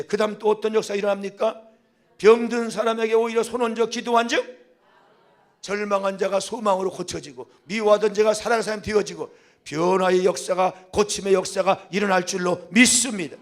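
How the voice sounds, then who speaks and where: An older male pastor delivering a sermon in a high, lifted voice. He preaches with fervor, breaking into loud peaks and calls to his listeners, then drops into a quieter, storytelling tone. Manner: quieter storytelling when recounting a past event. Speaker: senior pastor.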